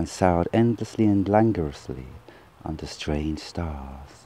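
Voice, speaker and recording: Quiet and fairly slow, the voice carries a dark, mellow tone. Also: man, dry sound with no echo. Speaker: reader. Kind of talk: literary audiobook reading, Lovecraft prose read aloud in a dreamy, atmospheric style. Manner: slow, measured and hushed, with languid, brooding, gothic delivery. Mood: calm, dreamy narration. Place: open country. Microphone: phone near.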